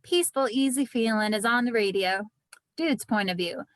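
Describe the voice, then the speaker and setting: A woman's voice: fairly high pitch, moderate pace, no room sound, clean studio sound. A woman reading scripted stage directions as narrator at a screenplay table read.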